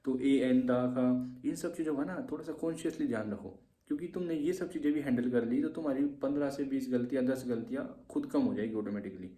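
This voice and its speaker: A man gives shorthand exam students an informal lesson full of exam tips, speaking in a medium-pitched, dark voice. He's fairly quick with few pauses, and the sound is roomy. He's casual and repetitive, often adding "theek hai."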